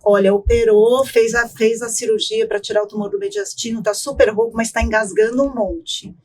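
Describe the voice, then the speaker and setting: A woman doctor, a voice specialist, explaining things calmly in a podcast interview and often ending with tag questions. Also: fairly high pitch, normal speed, slight background noise.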